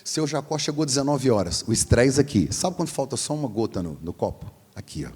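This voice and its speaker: A man in his forties preaching a storytelling sermon as pastor, animated and acting out the voices in his story. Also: mid-range voice, a little fast, husky. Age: 40s. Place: large church hall. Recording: long hall reverb.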